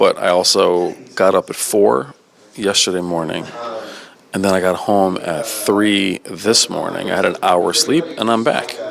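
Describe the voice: A put-on character voice, raspy, with lively intonation. The pace is moderate. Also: man, fairly low pitch for a man.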